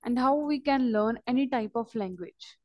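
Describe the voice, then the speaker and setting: A woman's voice: a little high, normal speed, darkish tone, dry recording, clean studio sound. A woman acting as examiner in a mock speaking test, asking brief, formal questions over a video call.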